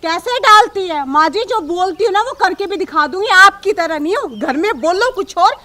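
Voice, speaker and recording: Woman as a high, bright, commanding policewoman daughter-in-law, comedy film. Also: lively intonation, normal speed, heavily acted. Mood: stern. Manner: commanding, sharp-tongued. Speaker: police officer in a comedy telefilm.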